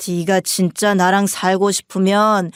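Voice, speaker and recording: A woman's voice: medium pitch, level tone, measured pace, slight background noise, pitched below the performer's own voice, close to an everyday voice. A woman voicing an arrogant, dismissive husband who talks down curtly and contemptuously. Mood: cold contempt. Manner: curt and contemptuous.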